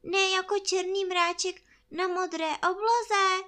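A woman doing Pooh, a squeaky naive teddy bear. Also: steady tone, pushed and bright. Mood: earnest. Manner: high, sing-song, earnestly silly. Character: naive, cheerful little honey-loving teddy bear. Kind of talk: storybook reading.

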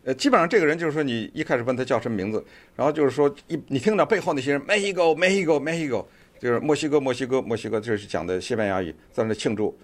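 A man's voice: medium pitch, lively intonation, racing. A man giving casual, chatty online commentary, rambling a bit and using lots of fillers.

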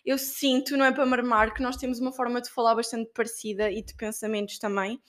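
A young woman with a European Portuguese accent hosts her solo podcast, telling stories in a chatty, animated way full of fillers. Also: a little high, quick pace. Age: young adult. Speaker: podcast host and student. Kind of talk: casual solo podcast chat.

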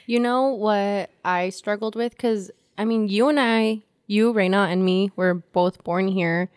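A woman's voice: mid-range voice, fairly even intonation, a little slow, clear, resonant tone, no echo, studio quality. A young woman from Indiana whose first language was Spanish, co-hosting a podcast in a candid, laughing casual chat. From Indiana, United States. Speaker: podcast co-host.

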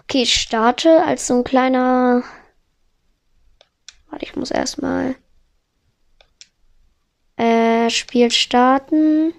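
A woman on a headset mic giving excitable let's play commentary, narrating every move and swearing when she fails. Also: high-pitched, extremely slow, creaky, pauses often. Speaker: gamer.

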